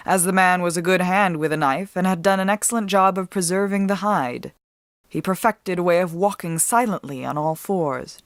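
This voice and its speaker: A woman giving a dramatic, measured storybook narration, reading as an author with deliberate expression. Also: on the low side, no echo, clean studio sound.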